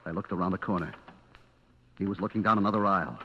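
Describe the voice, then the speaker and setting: A low-pitched male voice moves quickly, with the highs cut off, a little hiss or hum, and a natural tone, as an actor voices a terrified, guilty man fleeing a vengeful butcher. He narrates in first person in breathless, dramatic 1940s-50s radio suspense style, swinging between hushed dread and frantic cries, with hushed dread setting the mood. It sounds like an old-time radio broadcast with dramatic music behind.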